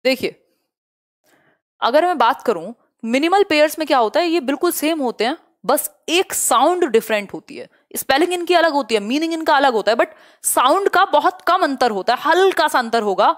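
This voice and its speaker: Animated and high-voiced, a young woman runs a live online class on English pedagogy, speaking a mix of Hindi and English. She keeps checking whether students follow her and reads definitions out at a slow pace.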